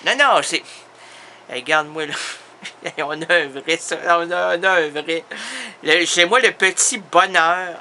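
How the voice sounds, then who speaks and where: A man's voice: a little high, measured pace, bright, forceful tone, slight background noise, heavily acted. A man playing a stubborn, tipsy fellow who insists he is "little happiness" and keeps asking for a beer, rambling and stammering. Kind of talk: comedy sketch.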